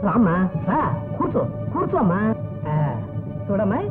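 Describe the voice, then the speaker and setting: A man's voice: high-pitched, very animated, moderate pace. A man playing a sleazy, pushy film director who coaxes a young actress, in a dubbed film drama. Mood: coaxing. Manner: coaxing, pushy, sudden loud shouts. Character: sleazy middle-aged male director, pushy and leering. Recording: phone-like narrow sound with music.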